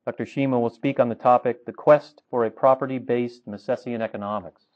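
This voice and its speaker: A man's voice: mid-range voice, steady tone, a little fast, darkish tone, slight background noise. A man serving as conference host, reading a formal, scripted introduction of the guest lecturer from notes. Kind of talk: scripted introduction read aloud. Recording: dull lo-fi recording.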